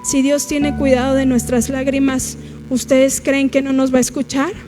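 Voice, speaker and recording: A woman with a Mexican accent delivers a sermon in a church with a high, ringing voice. She speaks emphatically and turns to the congregation with questions. Soft music plays faintly behind her. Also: flat delivery, moderate pace. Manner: emphatic, addresses the congregation directly, acts out quoted prayers. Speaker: preacher.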